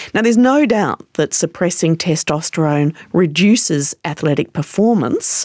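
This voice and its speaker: Lively intonation from a woman with an Australian accent, fairly low in pitch, at a moderate pace with hardly any pauses, in a dry, close sound with no echo on a very clean recording with a silent background. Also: very even loudness. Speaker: radio host. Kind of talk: radio interview. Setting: studio.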